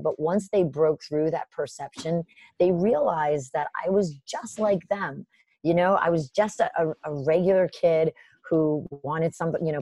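A woman guest in a casual interview, telling stories in a lively way with many "like" and "you know" fillers. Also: sits low, dry recording. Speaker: podcast guest.

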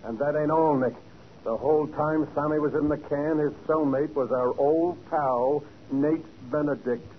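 An actor playing a blunt, plain-talking homicide sergeant in a 1940s radio drama, using slangy tough-cop talk. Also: male voice, a little high, steady tone, unhurried, close to an everyday voice. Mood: matter-of-fact. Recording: dull, noisy 1940s radio recording.

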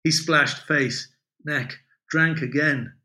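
A man, a writer, reading his own short story aloud in a measured, expressive way. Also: a little high. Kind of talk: literary reading.

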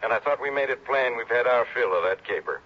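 A man's voice: mid-range voice, animated, quick pace, lightly acted. An actor playing a friendly insurance agent in a 1960s radio drama, bantering with his investigator. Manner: teasing, then earnest. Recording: dull vintage radio broadcast.

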